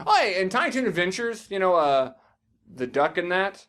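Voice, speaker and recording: High-pitched, foul-mouthed man bantering. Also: sing-song, moderate pace, fairly bright tone. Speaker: podcast host. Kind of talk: casual chat, playing a word-guessing game.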